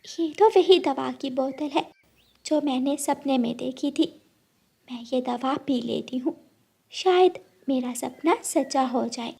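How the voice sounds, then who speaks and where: A woman voicing a small, kind female sparrow who feels weak, speaking softly and plaintively. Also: slow pace, gravelly, husky, full character voice. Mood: hopeful. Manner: soft, plaintive, high and eager.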